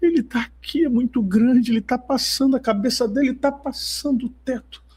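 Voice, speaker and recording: A man's voice: very high-pitched, moderate pace, a little mellow, husky, voice pushed up. A man voicing a young woman worshipper who cries out in awe and repeats herself frantically. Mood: awestruck, frantic.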